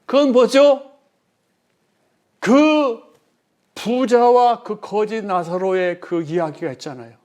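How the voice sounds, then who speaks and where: A male pastor giving a sermon, driving his points home with rhetorical questions and swinging between loud emphasis and hushed, quiet phrases. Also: sits high, slow, pauses often.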